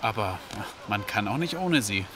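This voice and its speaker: A man's voice: lowish voice, expressive, moderate pace, background noise, close to an everyday voice. An actor playing a weary, troubled man, subdued and thoughtful, in a German audio drama. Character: weary, troubled man confiding in his neighbour.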